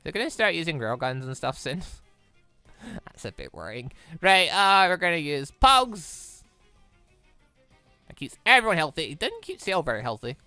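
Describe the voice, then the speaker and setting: A gamer giving casual let's play commentary, muttering moves and thinking out loud. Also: medium pitch, sing-song, unhurried, dry recording, faint music behind. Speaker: gaming video host.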